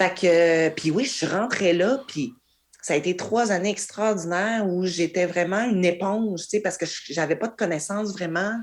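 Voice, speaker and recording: A woman at medium pitch with ordinary pitch variation and a moderate pace. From Quebec, Lac-Saint-Jean. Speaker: actress. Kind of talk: casual interview chat.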